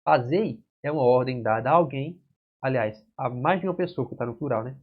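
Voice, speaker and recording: A man's voice: medium pitch, brisk. A male exam-prep teacher with a Brazilian accent, walking through verb conjugations at a whiteboard and checking in with students. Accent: Brazilian Portuguese. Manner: explains step by step with frequent "certo?" and "né?" checks. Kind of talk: whiteboard grammar lesson. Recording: dull lo-fi classroom recording.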